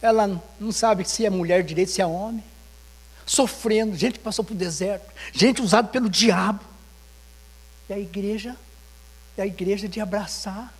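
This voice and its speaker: A man's voice: high-pitched, normal speed, long reverb tail. A man with a Brazilian Portuguese accent, a pastor preaching an informal sermon full of anecdotes and acted-out dialogue in a church. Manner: storytelling, animated, acts out dialogue. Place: church sanctuary.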